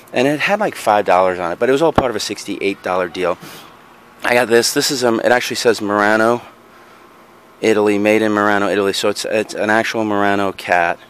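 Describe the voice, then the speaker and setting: On a backyard patio, a man with a lowish, slightly bright voice films himself on a handheld camera showing off items he bought to resell. His show-and-tell narration is casual and rambling, full of ums and self-corrections, with slight background noise.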